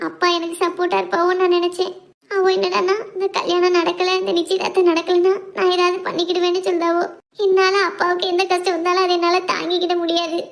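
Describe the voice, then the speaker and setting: A woman's voice: extremely high pitch, little pitch movement, quick pace. A woman playing a lovesick young woman who is heartbroken and tearful, speaking. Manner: tearful, pleading.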